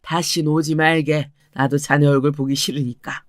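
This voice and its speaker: A woman's voice: sits low, flat delivery, normal speed, no room sound, clean studio sound, pitched below the performer's own voice, close to an everyday voice. A woman voicing a stern, protective older father who gives commands. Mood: stern threatening.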